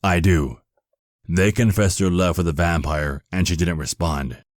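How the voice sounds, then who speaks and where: A man's voice: low voice, steady tone, unhurried, dry recording, clean studio sound. A man playing a proud, defensive archangel in a fantasy audio drama, haughty and formal in manner. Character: proud, defensive male archangel who despises vampires.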